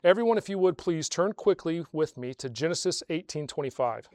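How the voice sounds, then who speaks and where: A man preaching a sermon to a congregation, asking rhetorical questions and slowing down to stress key phrases. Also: fairly high pitch, expressive, no room sound, clean studio sound. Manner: swells louder on key phrases, slows for emphasis. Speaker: pastor.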